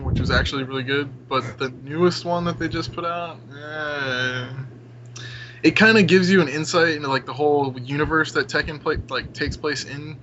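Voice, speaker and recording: A man's voice: on the high side, sharp tone. A man talking casually as a podcast panelist, blunt and irreverent, with some swearing. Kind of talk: casual chat. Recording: dull lo-fi voice chat, noisy.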